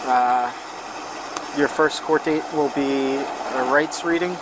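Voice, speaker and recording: A man's voice: mid-range voice, fairly even intonation, takes it slowly. A male police officer casually explaining procedure in an informal, matter-of-fact way, recorded on a body camera. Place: outdoors at a roadside by vehicles. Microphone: body-worn camera. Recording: noisy bodycam outdoors near car engine.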